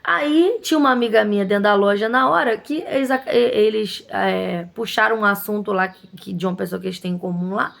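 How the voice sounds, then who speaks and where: A woman's voice: mid-range voice, fairly quick, creaky, few pauses. A woman, a shop owner casually telling viewers an indignant story, acting out what others said. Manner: indignant, animated retelling with quoted voices.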